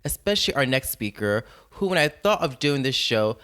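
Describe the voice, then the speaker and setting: A man hosting a podcast panel, encouraging his guests with quick affirmations. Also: medium pitch, sing-song, fairly bright tone, no room sound. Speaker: podcast host. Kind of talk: casual panel chat.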